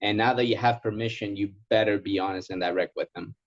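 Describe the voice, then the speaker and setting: A man's voice: fairly low pitch, fairly even intonation, fast, muffled recording. A man from Ecuador who speaks English as a second language, coaching informally in a question and answer session and repeating key phrases for emphasis. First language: Spanish. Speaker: sales trainer.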